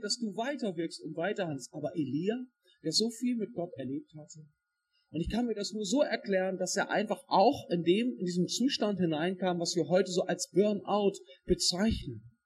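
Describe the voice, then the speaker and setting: A man preaching a sermon, expressive and dramatic, acting out quoted voices with shifting loudness. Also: high-pitched.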